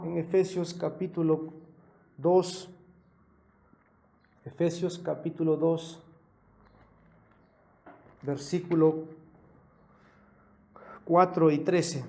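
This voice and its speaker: Pastor guy giving a sermon, kinda high voice but gravelly, chatty, asks "right?" a lot. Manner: emphatic, punches key words louder, frequent rhetorical "¿no?"; conversational preaching with self-corrections.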